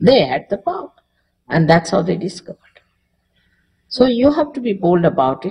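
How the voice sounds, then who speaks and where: Her voice is dark, mellow and somewhat breathy, a woman at medium pitch who moves at a moderate pace with very wide pitch swings and long, frequent pauses. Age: 60s. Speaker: spiritual teacher. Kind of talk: public spiritual talk.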